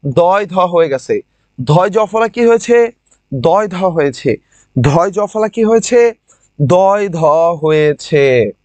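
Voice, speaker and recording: Leading a live grammar lesson online, this young adult from Bangladesh addresses students by name, repeats each question and its answer, and stretches example words out slowly. The voice is high, animated and slightly mellow, recorded without room sound.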